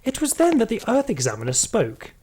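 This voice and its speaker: A man's voice: very high-pitched, wildly swooping pitch, brisk, darkish tone, slight background noise, exaggerated voice. A man playing a hardened, trigger-happy security guard, telling his story in dramatic first-person audio drama narration. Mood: tense.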